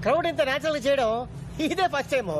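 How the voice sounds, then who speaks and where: A high-voiced cocky comic sidekick. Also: male voice, rapid-fire, a little hiss or hum. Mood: gushing, bluffing. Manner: theatrical, bluffing. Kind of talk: Telugu comedy film acting.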